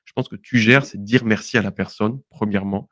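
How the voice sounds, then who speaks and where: A young man from southwest France co-hosting a casual podcast lesson, explaining expressions patiently, chatty and quick to laugh. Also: lowish voice, fairly even intonation, fairly bright tone, no echo, studio quality. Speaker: French teacher, podcast co-host.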